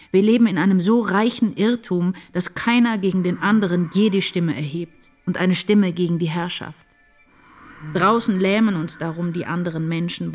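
An actress voices an introspective woman writer in a radio play. Her low voice narrates in measured, deliberate literary phrases, with music underneath. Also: a little mellow, natural voice. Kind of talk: literary first-person radio drama narration.

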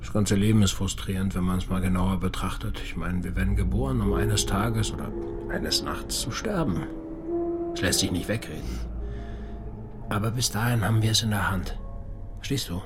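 An actor playing a caring, middle-aged bartender in a radio play, laconic and gentle in manner. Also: male voice, deep voice, normal speed, natural voice. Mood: wry, reflective. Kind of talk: intimate radio play acting. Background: music.

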